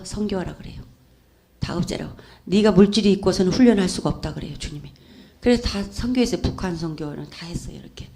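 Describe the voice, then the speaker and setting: A middle-aged woman preacher giving an emotional church testimony, swinging from loud urging to hushed storytelling. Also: on the low side.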